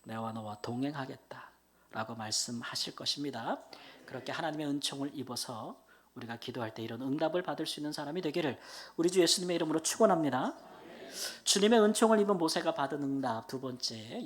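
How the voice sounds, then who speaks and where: A middle-aged male pastor preaching in a sermon, telling stories earnestly and moving between soft whispered asides and loud exclamations. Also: a little high, fast talker.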